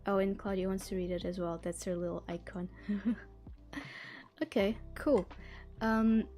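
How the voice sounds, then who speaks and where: Mellow-voiced non-native English-speaking woman streamer. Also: medium pitch, fairly even intonation, unhurried, soft background music. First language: not English. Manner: chatty, giggly, stumbles over words while reading. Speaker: livestream host. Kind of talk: casual livestream chat, reading a book blurb aloud.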